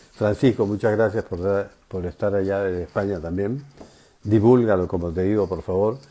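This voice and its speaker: A fairly low-pitched male voice with ordinary pitch variation. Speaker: sexologist and live stream host. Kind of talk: live stream talk. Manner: fast.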